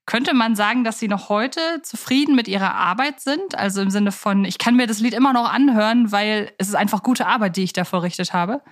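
A woman with a medium-pitched voice hosts a conversational interview. She speaks in long, wordy sentences and often reworks her phrasing as she goes. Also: fairly quick, hardly any pauses. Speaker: podcast host.

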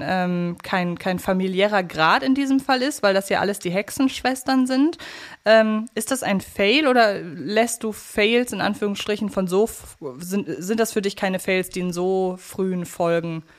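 A woman co-hosting a podcast, casually discussing an audio drama series, agreeable and thinking aloud as she goes. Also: medium pitch. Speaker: podcast co-host.

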